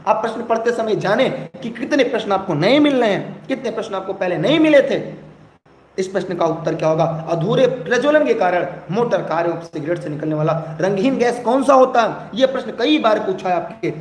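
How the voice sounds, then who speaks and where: High-pitched male teacher in an echoey room. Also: animated, fairly quick. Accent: Hindi, eastern Uttar Pradesh. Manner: urges viewers to comment, repeats phrases. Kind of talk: live online exam-prep lesson. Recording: echoey room, faint background noise.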